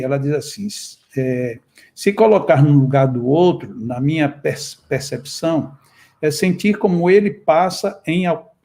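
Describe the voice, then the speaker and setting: A Brazilian man with a somewhat high voice reads out viewer comments during a live chat. He is lively and teasing in a casual way. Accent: Brazilian Portuguese. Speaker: co-host reading viewer comments.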